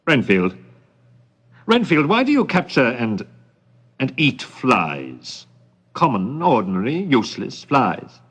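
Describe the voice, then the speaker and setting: A man voicing a puzzled, admonishing sanatorium doctor with slow, deliberate questioning in a gothic audiobook. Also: mid-range voice, wildly swooping pitch, a bit bright, slightly rough, full character voice.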